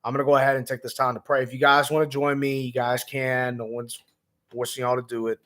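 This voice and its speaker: A man who is hoarse and raspy, hosting a laid-back gaming vlog livestream with lots of ums, talking to viewers as man and bro. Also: medium pitch, flat delivery, fast talker, fairly bright tone. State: hoarse, lost voice. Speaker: gaming vlogger host. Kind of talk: casual livestream chat.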